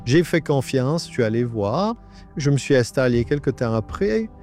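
A man in his nineties gives a halting personal testimony in a radio interview. His voice is disguised by an AI voice changer. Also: mid-range voice, sing-song, darkish tone, soft background music. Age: 90s. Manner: halting, with many restarts and repetitions. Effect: voice altered by an AI voice changer.

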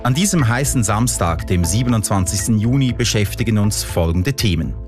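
A man's voice: on the low side, expressive, fairly quick, over loud music. A man with a Swiss German accent presenting scripted radio news as the programme's host.

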